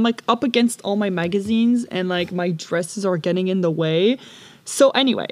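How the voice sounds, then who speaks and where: A woman's voice: mid-range voice, no room sound. Woman host, loose and chatty, talking from inside a cramped closet, dead dry sound. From Paris, France. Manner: chatty, rambling, casually swearing. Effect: recorded inside a clothes closet. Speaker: podcast host. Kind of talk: casual solo podcast chat. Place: small closet packed with dresses and magazines.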